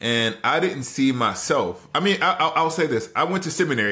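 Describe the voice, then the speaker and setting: In an American accent, a man talks at a fairly quick pace with a bright, sharp tone and lively intonation. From US South, Alabama. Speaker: New Testament professor and author. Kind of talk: interview.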